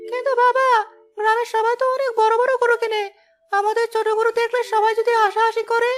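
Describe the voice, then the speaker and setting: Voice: extremely high pitch, little pitch movement, fast, faint music behind. A performer voicing a worried young village boy in a cartoon, asking anxious questions. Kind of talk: cartoon voice acting.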